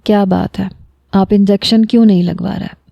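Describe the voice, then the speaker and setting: Woman voicing a young doctor, calm and coaxing, low-key and soft, storybook reading. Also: vocal fry, dry recording, lo-fi sound, close to an everyday voice.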